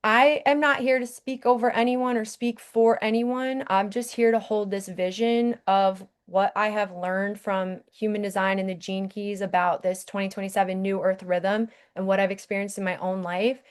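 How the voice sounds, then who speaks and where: A woman's voice: mid-range voice, level tone, normal speed, hardly any pauses, clear, resonant tone. A woman hosting a spiritual podcast who talks in an earnest, urging way and often checks in with the listener. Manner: earnest, urging, repeats "okay?". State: briefly emotional. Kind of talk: impassioned spiritual talk.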